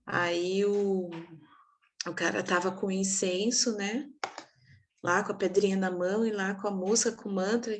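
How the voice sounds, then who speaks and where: A woman leading a study group over a video call, chatty and quick to laugh. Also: medium pitch, steady tone. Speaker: group facilitator. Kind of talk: casual group chat.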